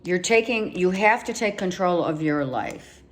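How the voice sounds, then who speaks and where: A low-pitched woman speaks slowly and deliberately as she lays out a tarot reading for her viewers. She repeats key points for emphasis and addresses the listener directly. Her voice is wearing thin and turning hoarse. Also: animated. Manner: emphatic, repeats herself, talks straight to the viewer. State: losing her voice, coughing. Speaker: tarot reader.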